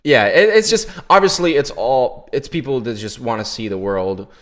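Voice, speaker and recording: A young man from New York City co-hosting a casual gaming podcast, easygoing and quick to laugh. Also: mid-range voice, expressive, a bit bright. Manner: easygoing, laughs often, repeats words. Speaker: podcast co-host. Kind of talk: casual chat.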